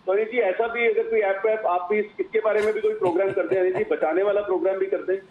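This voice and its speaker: A man's voice: high voice, steady tone, fast, slight background noise. A man with an Indian accent calling in for casual chat, chatty and repeatedly addressing the host by name. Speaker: caller. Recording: echoey tinny phone line.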